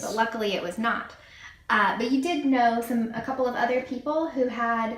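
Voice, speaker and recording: A woman with a fairly high voice speaks at a moderate pace over noticeable background noise. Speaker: biology educator. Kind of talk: interview questions.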